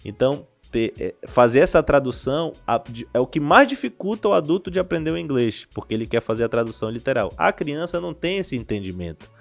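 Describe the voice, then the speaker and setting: Animated Brazilian man explaining things. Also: medium pitch, fast talker, gravelly, few pauses, faint music behind. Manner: animated explainer with frequent restarts. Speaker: language school director, podcast guest. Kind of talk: casual explanatory interview talk.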